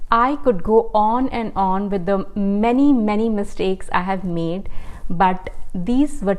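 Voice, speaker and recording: A woman talks fairly slowly, her pitch moving an ordinary amount, amid noticeable background noise. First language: not English. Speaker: novelist and writing youtuber. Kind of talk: vlog monologue. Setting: home writing studio.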